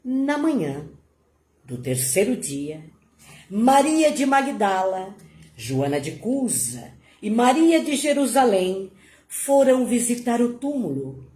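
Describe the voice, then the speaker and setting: A woman telling a devotional story in a slow, dramatic, emotional way. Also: on the high side, very animated, warm tone. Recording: roomy echo.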